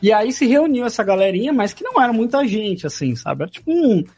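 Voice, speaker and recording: A man's voice: high voice, sing-song, a little mellow, husky, faint music behind. Rambling man telling a story. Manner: rambling, halting, full of "tipo assim". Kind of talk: casual storytelling chat.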